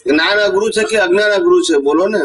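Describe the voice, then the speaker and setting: A man's voice: high-pitched, quick pace, fairly bright tone, husky. A man giving a devotional discourse to a gathering as a spiritual teacher, telling stories, asking rhetorical questions and often checking that his listeners understood. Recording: voice picked up from a distance.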